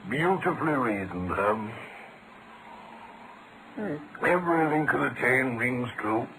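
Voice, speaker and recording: An actor playing an admiring, slightly puzzled British gentleman companion to a detective, hesitant and earnest, in old-time radio drama style. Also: medium pitch, animated, slow pace, background noise.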